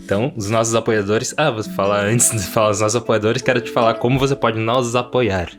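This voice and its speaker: A man's voice: mid-range voice, steady tone, a little fast. A man with a Brazilian accent chatting casually as a podcast co-host, informal and loosely improvised. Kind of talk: casual chat. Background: instrumental guitar music.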